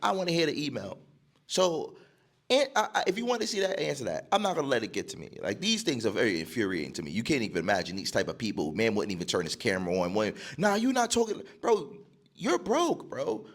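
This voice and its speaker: A man's voice: medium pitch, huge pitch swings, fast. A man hosting a live stream, arguing in a combative way and repeating himself. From United States. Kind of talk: heated live stream argument.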